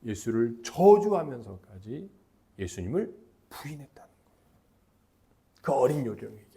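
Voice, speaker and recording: A middle-aged man preaching a sermon as pastor, emphatic and lively, leading the congregation in call-and-response chants. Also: mid-range voice, normal speed, creaky.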